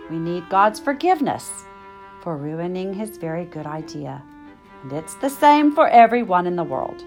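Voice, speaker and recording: A middle-aged woman reading a children's picture book aloud with expressive, emphatic phrasing for young listeners. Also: mid-range voice. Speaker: storytime reader.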